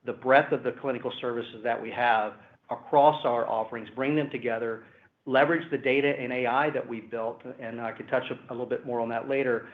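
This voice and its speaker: A man speaking as a company executive, giving measured, hedging answers on an earnings call. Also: mid-range voice, fairly even intonation. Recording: roomy, phone-like conference call line.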